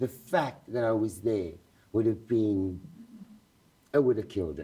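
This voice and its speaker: Somewhat breathy and dark, mellow in tone, a man speaks at a fairly slow pace and fairly low pitch with ordinary variation and big swings in loudness. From South Africa, Cape Town. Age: 50s. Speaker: comedian and community activist. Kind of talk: casual talk show conversation.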